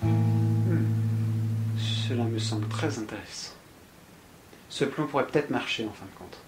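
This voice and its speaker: A man's voice: mid-range voice, expressive, a little slow, natural voice. A man playing a coldly manipulative supervillain boss in a fan film drama. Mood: composed, calculating. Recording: echoey room with music bed.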